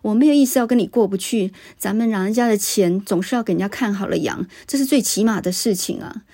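Lady reading a rough stern village hunter guy, firm, warm and a bit husky. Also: medium pitch, fast talker. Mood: stern pleading. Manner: firm, lecturing.

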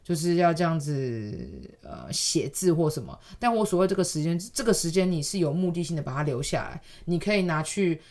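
A woman's voice: low voice, sing-song, a little fast, few pauses, darkish tone. A woman with a Taiwanese accent giving casual conversational advice in an explanatory, emphatic way, often repeating phrases for emphasis.

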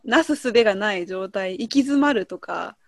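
A woman's voice: medium pitch, animated, no room sound, studio quality. Laughing Kansai woman explaining slang. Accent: Kansai Japanese. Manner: laughs often, explains words slowly with examples. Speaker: podcast co-host teaching Japanese slang. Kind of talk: casual chat lesson.

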